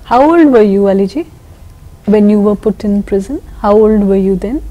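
A young woman interviewing an artist, giving measured introductions and brief prompts, recorded on a lapel mic in a television studio. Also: medium pitch, warm tone, rough recording.

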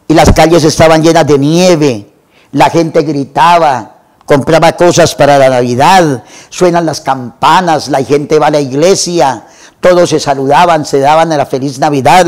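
A man retelling a classic novel for a literature program, in a measured way and lingering over lists. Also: a little high, a little mellow. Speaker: literature presenter.

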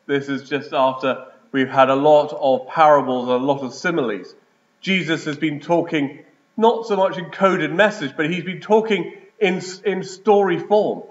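Priest with a big church echo. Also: male voice, fairly high pitch. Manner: measured liturgical delivery. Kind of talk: gospel reading and sermon. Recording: echoey church, dull lo-fi sound.

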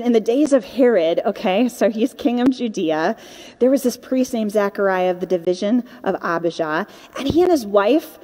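A young woman delivers a sermon in a conversational style, moving between reading and informal explanation. Her pitch sits in a medium range for a woman. The long reverb of a hall surrounds her voice. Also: darkish tone. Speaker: preacher. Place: indoor stage with curtain backdrop.

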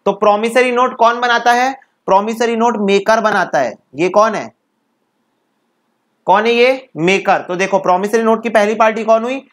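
In an exam-prep law lecture, a man with a high-pitched, slightly bright voice speaks at a normal pace. He breaks definitions into phrases for his students to repeat, then poses questions and answers them himself.

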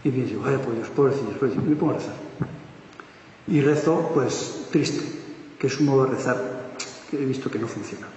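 A man with a Spain Spanish accent telling a story lively to an audience, acting out the voices, with many fillers and restarts. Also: mid-range voice, moderate pace, pauses often. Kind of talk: animated storytelling talk. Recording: echoey hall with faint noise.

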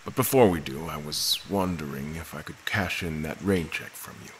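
An actor playing a grave, courteous gentleman admiral in an audio drama, speaking formally and with measured care. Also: very deep voice, a little hiss or hum. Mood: grateful, polite.

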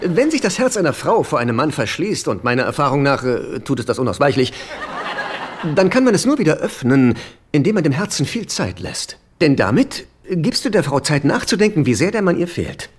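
A man's voice: a little high, sing-song, a little fast. An actor dubbing a fussy, self-important middle-aged man in a German sitcom, pompous and theatrical with hesitations. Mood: pompous, boastful. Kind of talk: German-dubbed sitcom acting.

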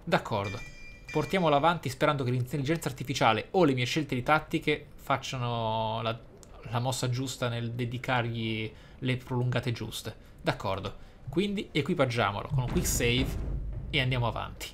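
Reading skill descriptions aloud, a male let's player comments on a video game in formal, wordy language. His mid-range voice is fairly bright and moderately paced, with slight background noise.

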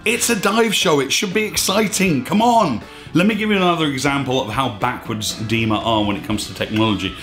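A man in his thirties hosting a scuba diving vlog, talking emphatically and a bit exasperated, his voice slightly hoarse. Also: mid-range voice, a little fast, a bit bright. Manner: emphatic, exasperated, gestures with hands. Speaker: scuba diving channel host. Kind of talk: opinionated to-camera vlog. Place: small indoor studio room. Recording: echoey room with faint music.

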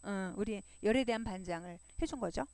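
A woman teaches a web design lesson in a screen-recorded coding tutorial, patiently repeating points and often checking in with listeners using "그죠?". Her voice is mid-range and a little mellow, slightly fast, with no room sound.

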